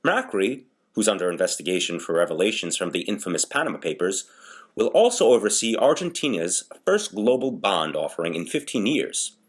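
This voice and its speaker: A man's voice: sits low, big pitch swings, fairly quick, husky. A man reading scripted news briefs as a voice-over artist in an audition.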